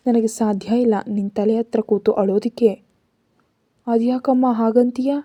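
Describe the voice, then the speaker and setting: A woman's voice: a little high, fairly even intonation, unhurried, dark tone, no room sound, dull audio. A woman voicing a frightened young woman who pleads and later teases her brother, in a storybook reading. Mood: teasing.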